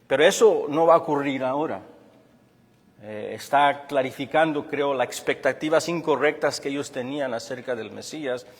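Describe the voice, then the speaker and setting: A man's voice: mid-range voice, moderate pace, big-room sound. A man from Chicago preaching a sermon, explaining earnestly and often restarting his phrases. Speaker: pastor.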